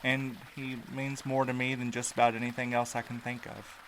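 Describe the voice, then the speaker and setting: A man's voice: mid-range voice, little pitch movement, moderate pace, fairly bright tone, a little hiss or hum, natural voice. An actor playing a sardonic, anxious and loyal young married man in an audio drama, with a blunt, snappy manner. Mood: somber, guarded.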